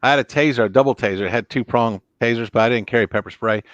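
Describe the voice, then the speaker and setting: A man's voice: mid-range voice, quick pace, a bit bright, no room sound. Middle-aged American man, dull close-miked sound. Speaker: livestream host, former law enforcement officer. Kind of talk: casual chat, reading out viewer comments. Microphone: close microphone on a boom arm.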